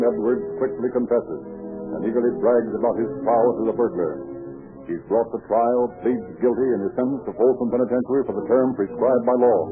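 A man narrates a 1930s radio drama in a low voice. The delivery is scripted. The sound is thin old broadcast, with clear music behind him. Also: phone-quality sound.

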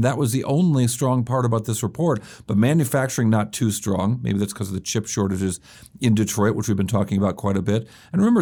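A man hosting a business news podcast, explaining stock and economic stories briskly with occasional fillers. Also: mid-range voice, mellow. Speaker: podcast host.

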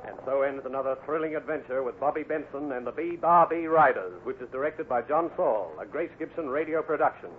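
A man's voice: mid-range voice, brisk, hardly any pauses. A man announcing the close of a radio adventure show in scripted 1950s style. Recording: tinny, faintly noisy old radio recording.

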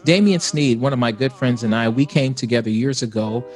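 A man's voice: medium pitch, a little fast, darkish tone, soft background music. A man, an opera tenor, giving thoughtful, earnest interview answers.

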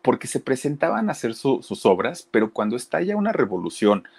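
A man's voice: medium pitch, very animated, fairly quick, vocal fry, darkish tone, husky. A man casually telling a story, chatting directly to his listeners. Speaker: storyteller host.

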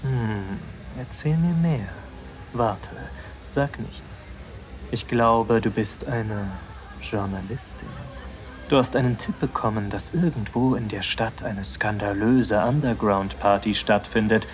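A man's voice: on the low side, slow pace. An actor playing a seductive male vampire in an erotic audio drama, with a velvety voice and a teasing, probing way of asking questions.

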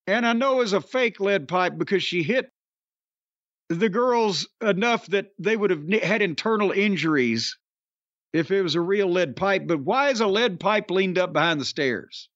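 A man's voice: high voice, animated, moderate pace, a bit bright, no room sound. An older man with a Southern American accent hosting a podcast, rambling, profane and sarcastic in casual chat and a comic ad read. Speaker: podcast host. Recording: dry, slightly dull audio.

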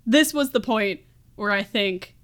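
A woman's voice: mid-range voice, unhurried, a bit bright. A woman chatting casually as a podcast co-host, giggly and rambling as she recaps a plot and acts out quoted lines.

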